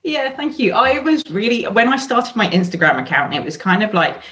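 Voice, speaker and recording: A woman's voice: medium pitch, very animated, normal speed, a bit bright. An English woman in her thirties, a sobriety coach, talking candidly as a podcast guest with frequent fillers. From England. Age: 30s. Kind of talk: casual podcast interview.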